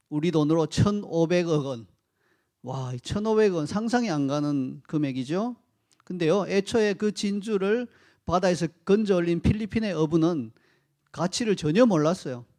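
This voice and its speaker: A male pastor giving a sermon in a conversational, animated way, speaking directly to his congregation and telling stories. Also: fairly high pitch, moderate pace. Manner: animated storytelling.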